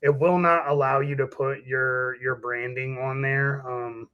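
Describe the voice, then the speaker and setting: A man casually walking through a software task step by step in an informal, explanatory way. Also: medium pitch, little pitch movement, a little slow, clear, resonant tone, lo-fi sound. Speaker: software demonstrator.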